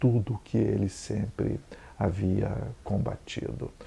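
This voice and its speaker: A man's dark, mellow tone, fairly low in pitch, with vocal fry and a very slow pace. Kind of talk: informal lecture-style talk on literature and film. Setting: recorded in a hotel room. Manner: whispered, soft.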